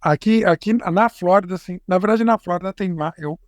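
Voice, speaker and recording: A man's voice: sits high, a little fast, dry recording, clean studio sound. A man with a Brazilian accent, a guest on a podcast, explaining things in an easygoing way with fillers and restarts. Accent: Brazilian Portuguese. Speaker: interview guest. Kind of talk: casual conversational interview.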